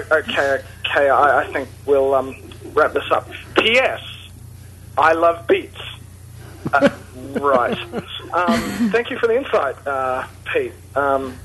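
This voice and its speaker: New Zealand man on a bright phone line. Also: a little high. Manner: playful, hesitant with many fillers. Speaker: caller. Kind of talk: voicemail with mock interview. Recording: phone line with faint noise.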